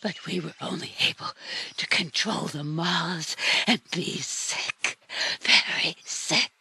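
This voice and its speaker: An actress playing an anguished, bitter and unstable dying sister in a horror game, theatrical and breathy, often dropping into whispers. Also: female voice, on the low side, pushed and bright, no echo, exaggerated voice. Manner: theatrical, tormented, drawn-out phrasing. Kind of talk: dramatic horror game acting. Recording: music behind the voice. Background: dramatic music.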